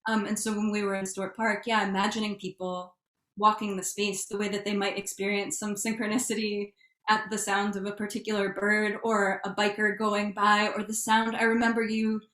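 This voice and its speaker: A woman's mid-pitched voice rings with room echo as she speaks on a panel. Her manner is reflective, feeling her way through ideas. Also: level tone, normal speed, fairly bright tone. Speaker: panelist, writer. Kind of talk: panel discussion. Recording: echoey room sound.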